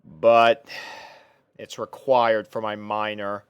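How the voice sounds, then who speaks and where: A man giving an expressive, dramatic first-person reading of a story as an exasperated student. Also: on the low side, slow, clear, resonant tone, no room sound, muffled recording. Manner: expressive, theatrical delivery with sighs. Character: exasperated young male student narrating his life with a roommate. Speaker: fan fiction reader.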